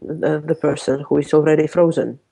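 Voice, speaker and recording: A woman's voice: deep voice, fairly even intonation, a little fast, gravelly, crowd noise. Teasing woman in casual chat. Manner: teasing, argumentative, laughs often. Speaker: participant in a group chat.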